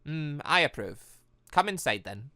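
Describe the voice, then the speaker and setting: A woman's voice: low voice, big pitch swings, measured pace, pushed and bright, no room sound, studio quality, voice pushed down, full character voice. A woman voicing a coolly commanding villainous woman from a visual novel, with clipped, composed, formal phrasing.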